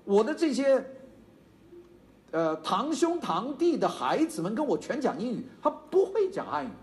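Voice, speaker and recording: An older man with a Chaozhou-tinged Mandarin accent giving a university lecture, animated and digressive, with many fillers and asides. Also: very high voice, normal speed. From China.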